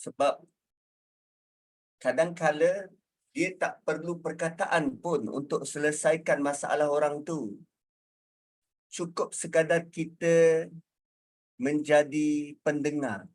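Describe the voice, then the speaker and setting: Slow-speaking Malaysian religious teacher. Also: male voice, a little high, steady tone, darkish tone. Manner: explains word meanings with everyday examples, acts out intonations. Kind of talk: religious lecture, conversational.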